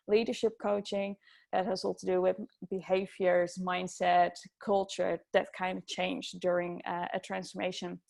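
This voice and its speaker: A woman's voice: mid-range voice, vocal fry. A woman with a Dutch accent, an agile coach giving an upbeat webinar talk over a video call, with many ums and uhs. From Netherlands. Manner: frequent ums, upbeat and eager. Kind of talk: webinar presentation.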